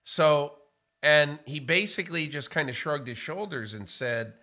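An older man talks football in a casual studio discussion, his voice bright and forward. He speaks in an animated way into a studio mic in a small room. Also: on the high side, unhurried. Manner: animated, gestures with hands while talking. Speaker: football analyst co-host. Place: small studio with framed pictures. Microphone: studio mic on boom arm.

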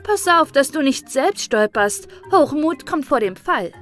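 A woman voicing sensible schoolboys in a storybook, composed and admonishing with gentle mockery. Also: sits high, lively intonation, unhurried, faint music behind, voice pushed up. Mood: calm teasing. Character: calm, sensible group of schoolboys, gently mocking.

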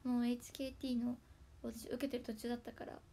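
A young woman with a Hakata dialect, chatting casually on her livestream from home and thanking viewers, often slipping into soft whispery asides. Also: a little high, little pitch movement, rapid-fire, a little hiss or hum. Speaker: idol livestream host. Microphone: tablet built-in mic.

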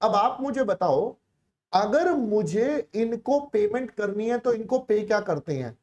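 A man's voice: high-pitched, expressive, unhurried, a little mellow, lo-fi sound. Coaxing male teacher in a live class. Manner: coaxing, repeats phrases, calls students "beta"; mixes in English phrases. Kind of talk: live online class lecture.

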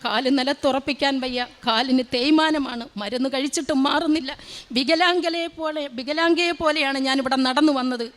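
High-voiced middle-aged woman testifying. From Kerala, India. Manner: earnest, repetitive storytelling. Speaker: devotee giving testimony. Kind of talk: church testimony.

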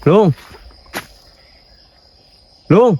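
Mellow-voiced young man vlogging outdoors. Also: drawn-out words, dull audio, a little hiss or hum. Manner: loud calling out, then hushed and gentle. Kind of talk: casual outdoor vlog talk to viewers. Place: outdoors in a forest. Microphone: handheld camera mic.

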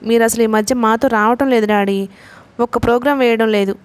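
A woman's voice: fairly high pitch, steady tone, brisk, no echo, natural voice. A woman reading a novel aloud, voicing a shy young woman who gets flustered. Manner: flustered, pleading.

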